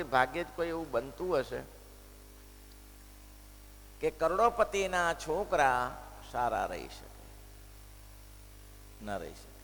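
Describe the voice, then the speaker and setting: A man's voice: on the high side, creaky. A man preaching a sermon at a religious school, telling stories and asking the listeners rhetorical questions. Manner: lively storytelling with rhetorical questions. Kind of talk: sermon with storytelling. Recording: long hall reverb, faint noise.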